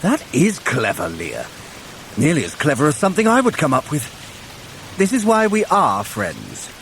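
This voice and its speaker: An actor playing a vain, clever trickster god in an audio drama, talking in an arch, self-satisfied and theatrical way. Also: male voice, a little high, huge pitch swings, normal speed, creaky, fairly bright tone, slight background noise, heavily acted. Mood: smug. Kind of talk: scripted audio drama acting.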